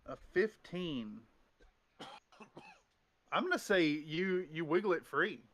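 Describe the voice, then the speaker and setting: Bright-voiced man running a tabletop game. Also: sits high, wildly swooping pitch, slow, dry recording. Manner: rambling, many restarts and fillers. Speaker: game master.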